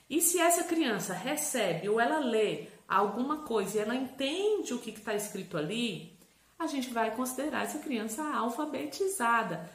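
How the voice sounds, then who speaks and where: A woman psychopedagogue gives a lesson in an animated, higher-pitched voice, stretching out syllables and spelling words letter by letter. Her voice bounces off a roomy space around her. She talks like a patient teacher explaining a subject. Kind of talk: educational explainer video. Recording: roomy echo.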